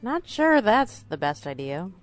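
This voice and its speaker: An actress playing a gentle, concerned woman who speaks plainly and tentatively in an audio drama. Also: mid-range voice, very animated, unhurried, faint music behind. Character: gentle, concerned blind woman, loyal friend.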